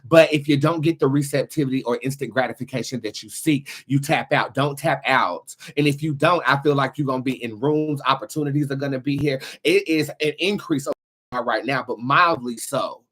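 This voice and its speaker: A man with a mid-pitched voice hosts a casual live tarot stream. He speaks in slangy, emphatic phrases and encourages the people he reads for. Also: fairly bright tone.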